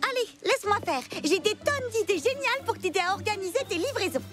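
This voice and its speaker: A young female adventurer for a children's cartoon. Her voice is extremely high, bubbly and full of boastful enthusiasm. Prominent music plays behind her dialogue. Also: animated, fast. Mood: enthusiastic. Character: breezy, overeager young woman globe-trotting adventurer. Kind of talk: dubbed children's cartoon acting.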